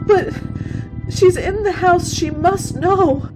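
A young woman playing a frightened, pleading college girl in a suspense radio play, with halting, repetitive delivery. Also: very high voice, over music, low-quality recording. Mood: pleading, desperate. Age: young adult. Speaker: radio drama actor.

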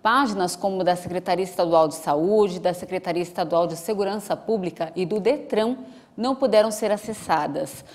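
A woman in her thirties presenting the news with a steady, formal delivery on a lapel mic. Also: lowish voice, moderate pace. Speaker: news anchor. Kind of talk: live newscast reading. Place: outdoor studio set with trees.

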